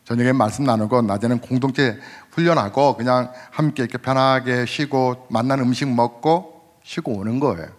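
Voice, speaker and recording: A man in his fifties, a senior pastor, preaching a sermon in a conversational storytelling way, asking the congregation questions and rising in pitch at emotional moments. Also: moderate pace. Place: church sanctuary. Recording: long hall reverb.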